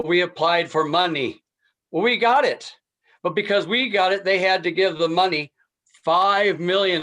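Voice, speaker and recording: A man's voice: fairly high pitch, a bit bright. A man giving an impromptu persuasive speech as a contestant, earnest and emphatic, repeating key phrases. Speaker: contest speaker.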